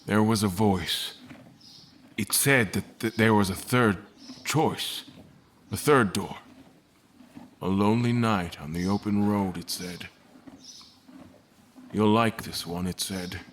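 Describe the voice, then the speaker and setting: Captive in an audio drama. Lowish, halting, scared and wary, plainspoken, some background noise. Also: male voice. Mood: shaken, halting. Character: frightened, confused captive man, wary and defiant.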